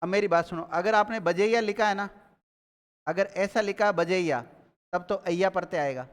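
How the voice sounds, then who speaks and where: A man's voice: sits high, moderate pace. Man teaching in a reverberant classroom. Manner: repeats key words and quizzes students. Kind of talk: classroom grammar lesson.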